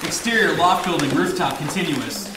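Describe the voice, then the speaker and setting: A man's voice: fairly high pitch, lively intonation, moderate pace, loud music behind the voice. Man narrating in a very echoey room. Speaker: stage direction reader. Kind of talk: scripted narration at a table read. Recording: distant, very echoey, noisy room.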